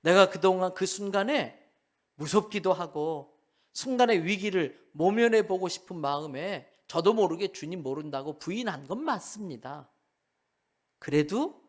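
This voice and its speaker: A preacher voicing earnest, pleading Peter. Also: male voice, high voice.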